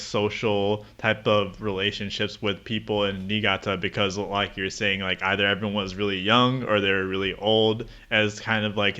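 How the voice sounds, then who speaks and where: A man's voice: fairly low pitch, bright, forceful tone, smooth, highs cut off. A man hosting a podcast, asking questions casually with many hedging fillers. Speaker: podcast host.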